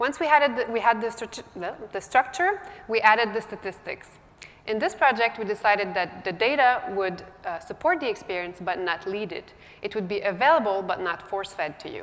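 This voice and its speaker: Against noticeable background noise, a woman with a French-Canadian accent talks at a fairly quick pace and fairly high pitch, with lively intonation and big swings in loudness. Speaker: designer. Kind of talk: conference talk. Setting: stage with audience.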